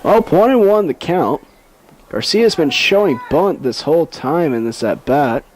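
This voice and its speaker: A man's voice: fairly high pitch, animated, a little slow. A man calling live baseball play-by-play as a sports commentator. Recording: outdoor ballpark background noise.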